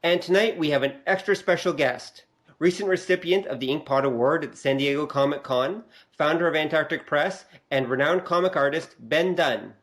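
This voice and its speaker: A man hosts a casual podcast with a slightly high-pitched voice. He asks his guest questions in a friendly, easygoing manner. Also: moderate pace, fairly bright tone. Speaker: podcast host.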